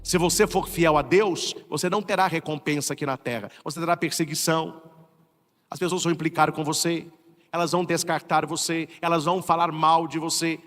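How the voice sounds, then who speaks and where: A man with a Brazilian Portuguese accent, a Catholic priest preaching a sermon, animated and full of rhetorical questions. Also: fairly high pitch, a little fast, long reverb tail, soft background music.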